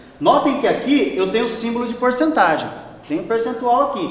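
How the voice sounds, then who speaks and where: A man speaking with audible room echo and noticeable background noise. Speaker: teacher. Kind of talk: lecture. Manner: casual.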